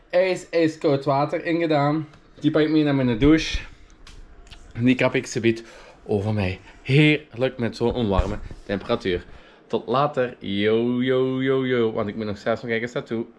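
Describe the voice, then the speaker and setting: A man in his thirties with a Flemish accent, chatting casually to his vlog camera in halting phrases. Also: mid-range voice, a little mellow. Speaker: vlogger. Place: indoors at home, rooms and bathroom. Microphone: camera at arm's length or a few steps.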